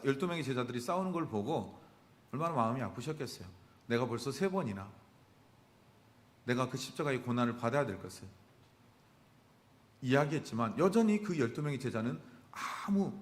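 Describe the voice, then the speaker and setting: A male pastor delivers a sermon with a lively pitch that rises and falls freely. He poses rhetorical questions to the congregation and answers them himself. His voice carries a long reverb from a church sanctuary.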